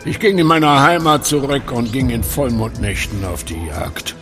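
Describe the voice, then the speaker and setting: An actor playing a sadistic werewolf clinic director in a horror audio drama, with a gravelly voice and a theatrical, mockingly polite manner. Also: male voice, mid-range voice, very animated, moderate pace, music in the background, natural voice. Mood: gloating, mocking.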